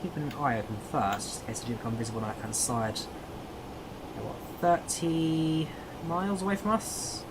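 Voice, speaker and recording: An English man chats loosely through a live stream, thinking out loud and answering viewers as he goes. His voice sits at an everyday middle pitch. A clear, steady hum like air conditioning runs under his voice. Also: a little fast. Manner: chatty, thinks aloud, answers chat viewers. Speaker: flight simulator streamer. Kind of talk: casual live-stream commentary.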